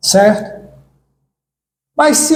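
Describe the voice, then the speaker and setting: A man speaks in a high voice with a dark, mellow tone. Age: 60s. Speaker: entrepreneurship teacher. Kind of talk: online video lecture.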